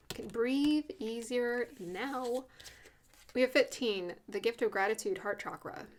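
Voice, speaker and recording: A woman's voice: fairly high pitch, slow, long pauses, slight background noise. Earnest chatty woman reading cards. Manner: earnest, chatty, with soft laughs and fillers. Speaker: spiritual reader doing a tarot card reading. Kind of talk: casual channeled card reading.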